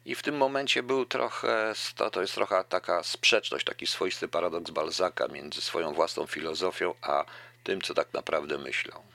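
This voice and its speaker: A man's voice: deep voice, normal speed, vocal fry, pushed and bright, no room sound. A man reading a novel aloud and musing about it to his listeners, addressing them politely. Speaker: book reader and commentator. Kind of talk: reading aloud and casual commentary.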